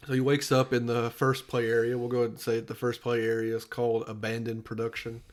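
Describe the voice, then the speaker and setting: A man's voice: medium pitch, monotone, fast. A man co-hosting a casual gaming podcast, offhand and dry. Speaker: podcast co-host.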